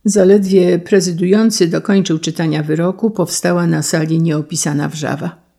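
A narrator reading a historical novel as an audiobook, measured and even. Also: mid-range voice, vocal fry.

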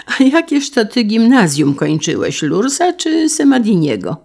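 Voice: mid-range voice, wildly swooping pitch, unhurried, creaky, a little mellow, voice pushed up, heavily acted. A narrator voicing a jovial middle-aged carriage manufacturer who asks hearty, teasing questions in an audiobook. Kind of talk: audiobook character reading.

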